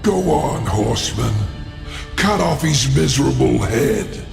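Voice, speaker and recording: An actor voicing a sly, smug, lordly demon in a video game, speaking in a measured, pompous, theatrical way. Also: male voice, mid-range voice, expressive, vocal fry, soft background music, full character voice. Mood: smug amusement. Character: sly, lordly demon schemer, smugly amused.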